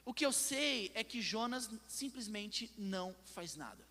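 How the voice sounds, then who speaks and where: In a church sanctuary, a pastor with a Brazilian Portuguese accent preaches in a high, animated, unhurried voice, swinging between loud and hushed. He puts pointed questions to his listeners, and the sound has a long reverb tail.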